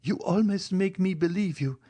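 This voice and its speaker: A man's voice: sits high, normal speed, dark tone, pitched above the performer's own voice. A man voicing a devoted, anguished young woman who pleads tearfully in an audiobook reading. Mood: impassioned.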